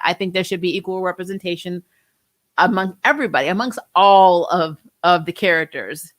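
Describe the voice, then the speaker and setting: A woman's voice: lowish voice, a bit bright, dry recording. A woman in her forties chatting casually as a host, answering viewer comments. She rambles, gets heated and laughs often. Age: 40s. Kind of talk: casual livestream chat.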